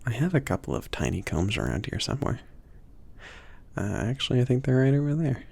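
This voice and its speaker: A man playing a laid-back, obliging mage shopkeeper in a soft, intimate ASMR roleplay, hesitant and rambling, husky and often near a whisper. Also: mid-range voice, very animated, brisk. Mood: shy, obliging. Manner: hesitant, rambling, trailing off with small chuckles.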